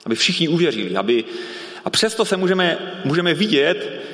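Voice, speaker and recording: Earnest preacher in an echoing hall. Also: male voice, a little high, very animated, a bit bright. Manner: earnest, repeats key phrases, frequent restarts. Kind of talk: sermon. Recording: reverberant hall sound.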